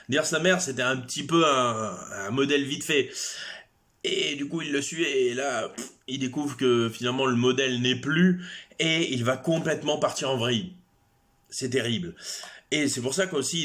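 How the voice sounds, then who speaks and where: A man's voice: medium pitch, a bit bright. Hesitant man explaining casually. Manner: hesitant, many fillers and restarts, chatty asides. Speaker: video creator.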